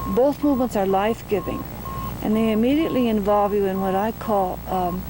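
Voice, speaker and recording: Over noticeable background noise, a woman speaks at medium pitch with ordinary pitch variation and very even loudness. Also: fairly quick pace. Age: 70s. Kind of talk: interview.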